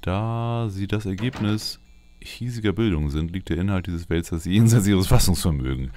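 A man's voice: low-pitched, expressive, normal speed, dark tone, a little hiss or hum. A man giving casual roleplay gameplay commentary, muttering his thoughts aloud in fragments. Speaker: let's player. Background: game ambience.

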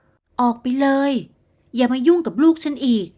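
A woman voicing a boastful, gossiping middle-aged neighborhood auntie in a storybook tale, with a shrill, smug, bragging manner. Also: expressive, moderate pace, a little mellow. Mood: angry scolding. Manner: smug, shrill, bragging about her daughter. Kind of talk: storybook character voice.

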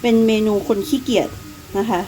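Speaking at a moderate pace over background noise, this cooking vlogger is a woman in her thirties from Thailand with a Northeastern Thai accent. She talks casually through her home cooking video, calls herself by her nickname, and has a cough with some phlegm.

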